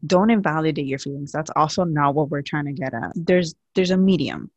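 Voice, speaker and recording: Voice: medium pitch, a little fast, no room sound. Young adult podcast co-host, earnest and chatty, filler-heavy, with a muffled, dry recording. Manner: chatty, earnest, fills speech with "like". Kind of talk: casual chat. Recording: dull, dry lo-fi sound.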